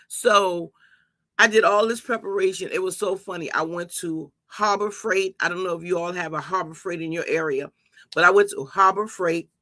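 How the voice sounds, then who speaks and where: A raspy, tired-sounding woman in middle age hosts a casual livestream, talking in a chatty, rambling way full of quick asides. Her voice has a bright, forceful edge despite its slightly deep rasp. The sound is dry and close, with almost no room around it. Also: dry recording. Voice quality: raspy and a little deep today. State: tired from an early start. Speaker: pastor and channel host.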